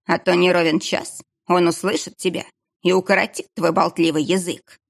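Lady reading an archer snapping at his buddy, low raspy voice. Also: little pitch movement, normal speed. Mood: warning. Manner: curt, warning. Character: gruff male archer, cautioning his comrade.

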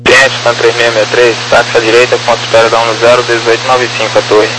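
A man's voice: mid-range voice, completely flat delivery, fast. A man with a Brazilian accent working as an air traffic controller, giving procedural instructions over crackly, military-style radio. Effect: radio transmission. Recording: noisy, humming aviation radio.

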